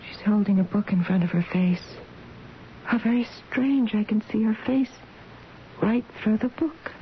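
An actress playing a bedridden woman in a trance, musing to herself in halting, wondering phrases in a radio drama. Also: mid-range voice, close to an everyday voice. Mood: dreamy wonder. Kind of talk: radio drama interior monologue. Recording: dull, noisy vintage radio broadcast.

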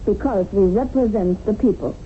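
A woman's voice: mid-range voice, moderate pace, close to an everyday voice. Woman playing a severe, doctrinaire revolutionary, muffled sound. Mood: dogmatic. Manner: severe, dogmatic. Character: stern, doctrinaire female revolutionary guard, coldly righteous. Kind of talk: 1970s radio drama acting. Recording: muffled, noisy 1970s radio broadcast.

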